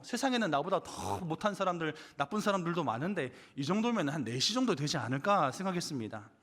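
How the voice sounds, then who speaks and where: A man preaching in a lively, up-and-down voice, full of rhetorical questions and personal stories. His slightly high voice rings out with the long reverb of a church hall. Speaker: pastor. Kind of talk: sermon. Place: church sanctuary.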